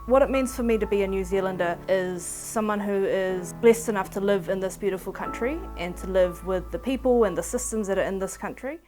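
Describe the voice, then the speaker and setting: A woman's voice: medium pitch, brisk, few pauses. A woman in her twenties introducing herself in a composed, formal way in a documentary interview. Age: 20s. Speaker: youth advisory lead. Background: background music.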